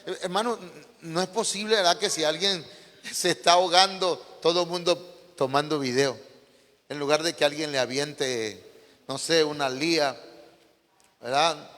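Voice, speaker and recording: A man preaches a sermon, his voice bright and a little high for a man. He tells everyday stories and keeps asking his congregation questions. The sound rings out with the long reverb of a church hall. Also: moderate pace, pauses often. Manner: storytelling with rhetorical questions to the congregation. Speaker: pastor.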